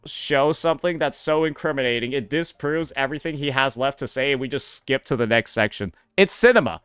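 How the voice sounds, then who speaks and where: A man's voice: mid-range voice, brisk, a bit bright, clean tone, dry recording. A man doing sarcastic, profane reaction commentary as a streamer, recorded on a close mic.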